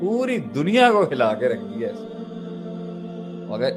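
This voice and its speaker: Over music in the background, a man speaks with very wide pitch swings. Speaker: Islamic preacher. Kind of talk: emotional religious sermon. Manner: emotional, impassioned.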